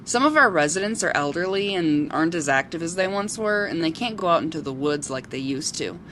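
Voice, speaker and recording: A woman playing a kindly local who befriends forest creatures in an audio drama, talking in a gentle, earnest, storytelling way. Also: lowish voice, animated, brisk, slight background noise. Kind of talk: amateur audio drama acting.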